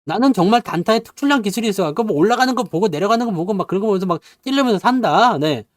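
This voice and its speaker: A man's voice: high-pitched, expressive, very fast, no echo, studio quality. A man giving a casual stock investing lecture, teasing listeners with constant "eh?" prompts and acting out little bits along the way. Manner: acts out bits with sound effects and playful asides.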